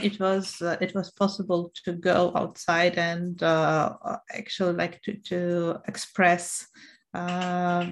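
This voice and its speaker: Ukrainian woman, 30s, talks slow and halting, lots of uhs. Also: lowish voice. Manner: hesitant, many uh and um fillers. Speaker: interview guest. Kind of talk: casual interview answers.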